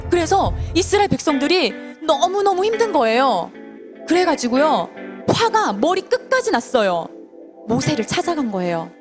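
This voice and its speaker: A woman's voice: high-pitched, big pitch swings, moderate pace, over music. A Sunday school teacher, a woman, telling a Bible story to children and asking them questions as she goes. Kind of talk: children's sermon.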